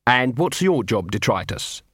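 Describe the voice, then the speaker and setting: A man's voice: mid-range voice, sing-song, unhurried, fairly bright tone, breathy edge, dry recording, exaggerated voice. A man playing a weary watch captain who speaks in a dry, exasperated way. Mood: dry, puzzled.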